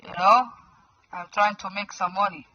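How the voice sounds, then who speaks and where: A woman's voice: medium pitch, steady tone, moderate pace. A woman voicing a man from the Gulf region who says he came to the UK to make money, in an exaggerated put-on Arab accent. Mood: mocking. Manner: exaggerated mock impression. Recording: muffled with loud background noise.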